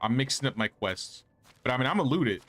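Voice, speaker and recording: A man's voice: medium pitch, expressive, fast, a bit bright. A man doing casual livestream gameplay commentary, chatting and thinking aloud as he plays. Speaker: game streamer.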